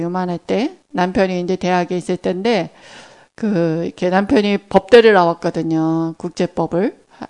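A middle-aged woman giving an animated church testimony, acting out quoted dialogue as she goes. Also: mid-range voice, clean tone. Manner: animated storytelling, acts out quoted dialogue, laughs. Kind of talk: sermon testimony storytelling.

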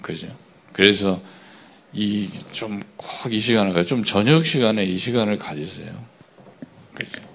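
A man preaching a sermon, often asking the congregation for agreement and swinging between loud emphatic bursts and quiet asides. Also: on the low side, unhurried, vocal fry, husky. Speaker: pastor.

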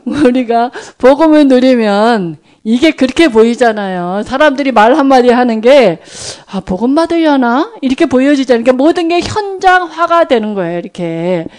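A woman's voice: high voice, lively intonation, moderate pace, hardly any pauses, a little mellow. A woman giving an informal sermon on evangelism, speaking conversationally and often checking that listeners agree.

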